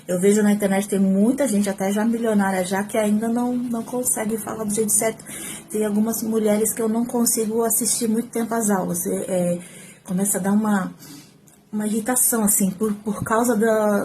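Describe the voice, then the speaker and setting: Brazilian woman, ex-reporter, mid-pitched, chatty home tutorial on phone, faint background noise. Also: a little fast. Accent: Brazilian Portuguese. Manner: talkative, animated, gestures while speaking. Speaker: former TV reporter teaching on-camera skills. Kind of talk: casual tutorial to camera. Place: at home, indoors. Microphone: phone, front camera.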